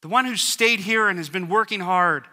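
Resentful older brother, acted by a male preacher: raised pitch, forceful grievance, reverberant hall. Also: a little slow, heavily acted. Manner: complaining, emphatic. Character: indignant resentful older brother, young man.

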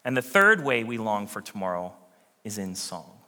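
Male pastor, preaching, lively pitch, bright tone, earnest, trails off to a hush, reverberant church hall. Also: moderate pace. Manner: earnest, animated, drops to a hush at phrase ends. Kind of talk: sermon. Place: church sanctuary.

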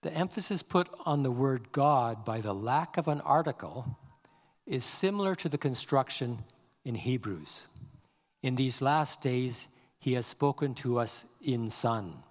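A man delivers a sermon at a very unhurried pace, his voice at an ordinary middle pitch. He reads scripture with deliberate weight on key words. A long hall reverb trails behind each phrase. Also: animated. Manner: slow, measured delivery, reading scripture aloud with deliberate emphasis. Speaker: pastor.

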